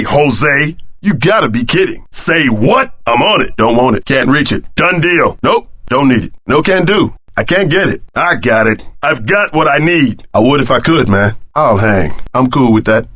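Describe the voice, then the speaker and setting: A man's voice: a little high, sharp tone, full character voice. A man voicing a cocky, trash-talking action sidekick in a video game, with a slangy, punchy, swaggering delivery. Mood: casual, cocky. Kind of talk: video game character barks.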